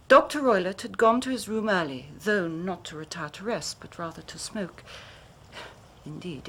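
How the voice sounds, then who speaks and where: An actress playing a grave young Victorian woman who tells her story in measured, formal speech, sometimes dropping to a hushed whisper. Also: lowish voice, slight background noise, low-quality recording. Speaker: client telling her story. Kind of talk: period radio drama acting.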